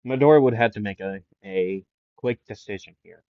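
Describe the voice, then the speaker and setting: A man's voice: on the low side, moderate pace, no echo, narrow, tinny audio. A man casually improvising a fan story, rambling with many fillers and restarts. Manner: rambling, self-interrupting, filler-heavy.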